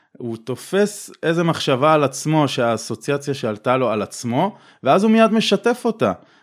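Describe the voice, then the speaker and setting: Very wide pitch swings in a man's speech, on a very clean recording with a silent background. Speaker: podcaster. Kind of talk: casual chat.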